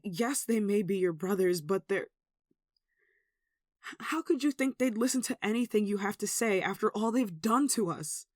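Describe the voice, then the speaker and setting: A performer with a mid-pitched voice playing an anxious, devout, caring villager in an earnest, hesitant ASMR roleplay. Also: lively intonation, moderate pace, dry recording, studio quality, lightly acted. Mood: alarmed, pleading. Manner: earnest, hesitant, soft sighing delivery. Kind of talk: ASMR roleplay audio drama.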